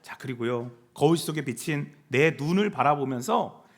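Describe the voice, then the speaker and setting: A man's voice: on the high side, lively intonation, normal speed. A man pastor preaching a sermon to senior church members, asking the congregation questions and acting out quoted speech. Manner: call-and-response questions, acts out quoted speech.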